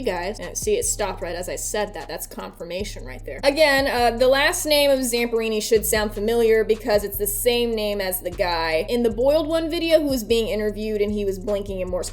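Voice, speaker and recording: A woman hosting a video essay, giving casual, conversational commentary with informal, sweary phrasing. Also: medium pitch. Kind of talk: casual commentary and theory breakdown.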